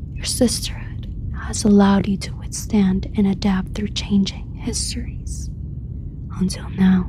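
The voice takes a solemn tone at a fairly slow pace over noticeable background noise. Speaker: spirit and mountain characters voiced in the story. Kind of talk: folk tale audio fiction narration, character dialogue. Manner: solemn, ethereal, wise and measured.

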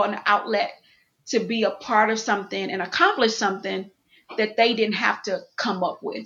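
With an American accent, a woman speaks in a plain, everyday voice, fairly high in pitch and with fairly even intonation. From Houston, Texas. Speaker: beauty brand founder. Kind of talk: interview.

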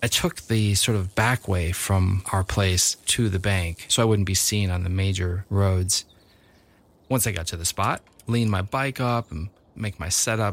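A man with an American accent talks at a fairly slow pace, in a normal speaking voice with a fairly low pitch and fairly even intonation. The recording is very clean with a silent background and a dry, close sound with no echo. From US Midwest, northern Illinois near Chicago. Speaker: former bank robber and competitive cyclist. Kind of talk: personal storytelling in an interview.

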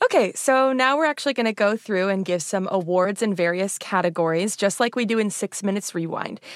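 With an American accent, a woman talks at a fairly quick pace with hardly any pauses, her medium pitch showing ordinary variation. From New Jersey. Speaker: podcast host and marketing director. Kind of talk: casual chat. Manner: animated.

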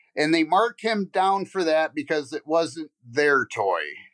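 Recorded dry and close with no echo, a man with a Midwestern accent talks at a fairly high pitch with ordinary pitch variation. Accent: American Midwest. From Michigan. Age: 40s. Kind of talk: interview.

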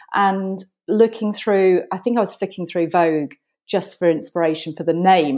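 A woman with a British accent and ordinary pitch variation, on a very clean recording with a silent background. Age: 50s. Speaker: stylist and author. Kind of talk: interview.

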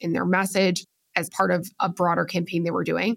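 A woman's medium-pitched voice with vocal fry and an enthusiastic tone, on a very clean recording with a silent background. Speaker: podcast co-host. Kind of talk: casual chat.

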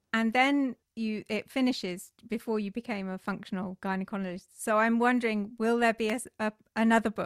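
A woman with a plain, everyday voice talks at a fairly quick pace with hardly any pauses, fairly high pitch and fairly even intonation, in a dry, close sound with no echo. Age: 50s. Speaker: podcast host. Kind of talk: interview. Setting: remote call.

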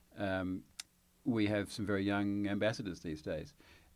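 A man speaks with a New Zealand accent. His pitch is fairly low. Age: 60s. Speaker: ambassador. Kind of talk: interview.

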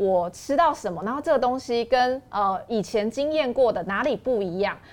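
Using an unremarkable speaking voice, a woman with a fairly high pitch talks at a moderate pace with lively intonation. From Taiwan, Kaohsiung. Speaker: co-founder of a local culture studio and magazine editor. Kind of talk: interview.

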